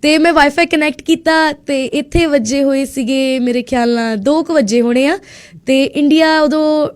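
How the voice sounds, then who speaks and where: A young woman from India, a student guest on a radio show, telling her story in a lively way and acting out what people said. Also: high voice, moderate pace. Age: young adult. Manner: lively storyteller who acts out quoted speech. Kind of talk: casual storytelling interview.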